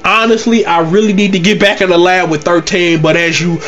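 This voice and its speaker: A man's voice: high-pitched, fairly even intonation, a little fast, a bit bright, lo-fi sound. A congested man hosting his own gaming channel, talking casually in a brash, trash-talking, slangy way. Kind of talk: casual gaming vlog outro.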